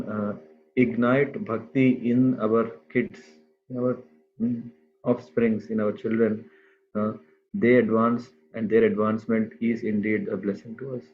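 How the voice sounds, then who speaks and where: Man, scripture class leader, lowish voice, halting delivery full of fillers, phone-quality audio. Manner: unhurried, halting with many fillers. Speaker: class speaker. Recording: tinny phone-like line.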